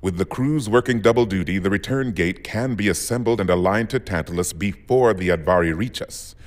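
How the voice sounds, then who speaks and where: Low, commanding admiral played by a man, hall reverb. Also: fairly quick, close to an everyday voice. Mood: grave, resolute. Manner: authoritative, clipped, formal. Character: stern, commanding military fleet admiral, grave and decisive. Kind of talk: science fiction audio drama acting. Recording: long echo of a large hall.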